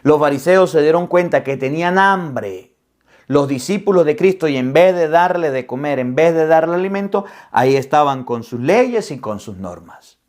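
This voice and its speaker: Man, priest, lively storytelling sermon, fairly high voice. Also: normal speed. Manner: animated storyteller, acts out quoted dialogue. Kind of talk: storytelling homily.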